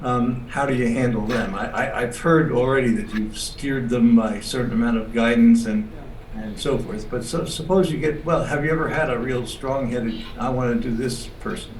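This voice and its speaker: A man asking a seminar question in a rambling, halting way, full of fillers and restarts. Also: medium pitch. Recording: distant, echoey call audio with faint noise.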